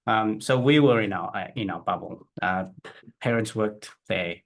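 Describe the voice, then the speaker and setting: A South African man in his forties, an interview guest and business owner, telling his story in relaxed chat with restarts and fillers. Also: lowish voice, moderate pace, creaky.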